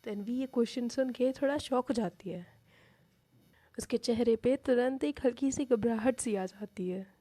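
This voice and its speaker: A woman's voice: fairly high pitch, normal speed, warm tone. A woman narrating a love story in a casual, chatty way.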